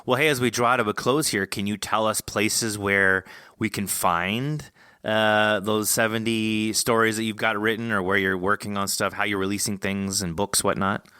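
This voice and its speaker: A man's voice: on the low side, little pitch movement, moderate pace, bright, forceful tone, clear, resonant tone, no room sound, clean studio sound. A man hosting a casual interview, informal, enthusiastic and encouraging with his guest. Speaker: podcast host interviewing an author.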